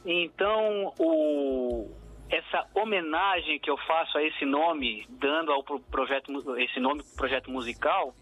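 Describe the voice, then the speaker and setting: Bright-voiced southern Brazilian man. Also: on the high side, a little slow. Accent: southern Brazilian Portuguese. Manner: reflective, many fillers and restarts. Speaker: musician guest. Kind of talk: radio interview answers.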